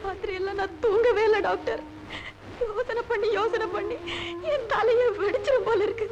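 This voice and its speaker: A woman's voice: very high-pitched, steady tone, normal speed, muffled recording. An actress playing a frightened young woman patient who has lost her memory, crying and pleading with her doctor. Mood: tearful. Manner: pleading, tearful.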